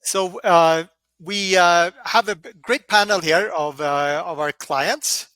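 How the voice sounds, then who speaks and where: A man from Colorado presenting a workshop webinar, halting with many fillers and restarts. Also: high voice, pushed and bright, smooth, no echo.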